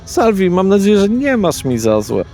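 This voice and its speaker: A man's voice: high voice, big pitch swings, normal speed, dark tone, faint music behind, voice pushed up. A man voicing a brash, self-important vampire lawyer in a tabletop role-play, effusive and colloquial. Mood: jovial, chummy.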